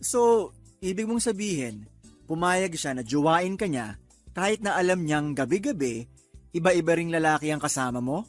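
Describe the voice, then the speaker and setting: An actor playing a sleazy young bar customer who mocks and goads in a teasing radio drama style. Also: male voice, on the high side, expressive, faint music behind, natural voice. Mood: sneering disbelief. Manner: mocking, goading, chuckling, drawn-out teasing. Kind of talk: Tagalog radio drama acting.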